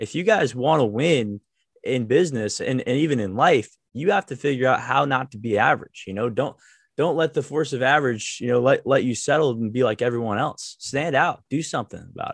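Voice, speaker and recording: A man's medium-pitched voice at a fairly quick pace, with ordinary pitch variation against a quiet background. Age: 20s. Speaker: podcast host. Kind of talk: interview. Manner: animated.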